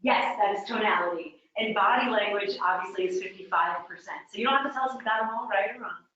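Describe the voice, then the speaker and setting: A woman's voice: mid-range voice, quick pace, pushed and bright, reverberant, highs cut off. A woman from New York teaching a live real estate workshop, chatty and quizzing her audience. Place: training room with a small audience.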